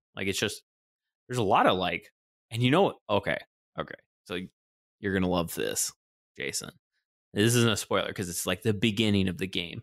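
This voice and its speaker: The fairly quick pace is broken by long, frequent pauses, and the pitch varies in an ordinary way. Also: man, fairly low pitch for a man. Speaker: podcast co-host. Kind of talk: casual chat.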